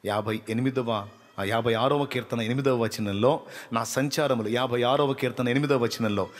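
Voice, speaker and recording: A man preaching a sermon with passion, swinging from loud, urgent appeals to soft, tearful prayer. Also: mid-range voice, steady tone, moderate pace.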